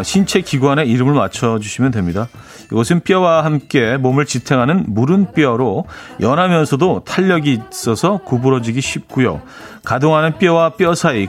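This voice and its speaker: A man hosting a radio show in a casual, chatty way, laughing at his own jokes and reading out listener messages in a studio. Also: mid-range voice. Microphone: studio microphone.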